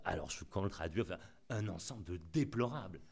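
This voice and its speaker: A man's voice: low-pitched, animated, fast, a little mellow. A man giving a conference lecture, ironic and emphatic, often repeating his key phrases. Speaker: conference speaker.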